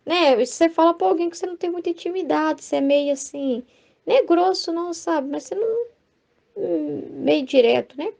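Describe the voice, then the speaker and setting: A Brazilian woman with a very high, darkish voice and vocal fry speaks briskly, with a Brazilian Portuguese accent. As a Bible study teacher leading a Catholic devotional study, she talks conversationally, often saying "né?", and reads passages aloud.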